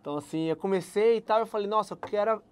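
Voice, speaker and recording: A young man from Salvador with a Bahian accent, a guest telling his career story in relaxed casual chat and laughing at himself. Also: high voice, quick pace, a little hiss or hum. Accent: Bahian Brazilian Portuguese. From Salvador, Brazil. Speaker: guest software engineer.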